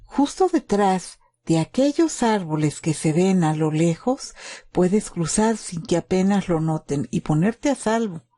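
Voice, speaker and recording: A woman voicing a calm, protective male soldier in a wartime story, instructing and reassuring. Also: fairly low pitch, a little slow, dry recording. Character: calm, protective German soldier, adult man.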